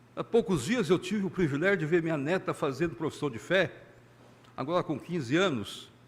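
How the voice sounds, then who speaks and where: At a high pitch and a fairly quick pace, a man talks with lively intonation. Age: 70s. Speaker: pastor. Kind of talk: sermon. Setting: church.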